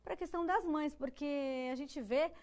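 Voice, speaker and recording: A woman's voice: high-pitched, a little slow, a little mellow. A woman with a Brazilian Portuguese accent hosting a talk show, engaged and affirming as she picks up her guest's points. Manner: engaged, affirming, asks follow-ups. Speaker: host.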